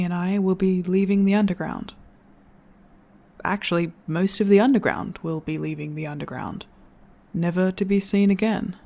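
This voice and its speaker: An actor playing a reflective storyteller in an audio drama, giving an earnest, measured farewell address to listeners. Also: mid-range voice, vocal fry, darkish tone. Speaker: narrator.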